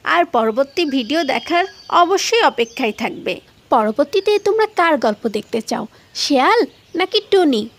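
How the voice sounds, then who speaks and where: A woman's voice: high voice, animated, normal speed. A woman narrating for children as the storyteller and host of a cartoon channel.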